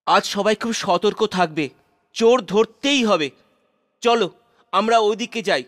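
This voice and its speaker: A scheming chief minister in a cartoon royal court. His voice is high, and he hands out orders in a bossy, officious way. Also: a little slow. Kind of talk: animated children's cartoon acting.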